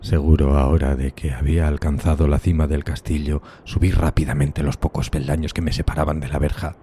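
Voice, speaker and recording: A man acting a deep, dark-voiced solemn gothic outcast. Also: level tone, brisk, slight background noise. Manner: solemn, theatrical, ornate literary delivery. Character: solitary tormented outcast narrating his gothic horror escape. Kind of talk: dramatic first-person gothic horror audiobook narration.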